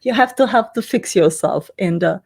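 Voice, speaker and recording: A woman from the Czech Republic with a Czech accent, talking earnestly and casually as an interview guest about meditation and healing, in loose non-native English with frequent soft laughs. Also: medium pitch, lively intonation, moderate pace, slightly rough. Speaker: spiritual teacher and guest.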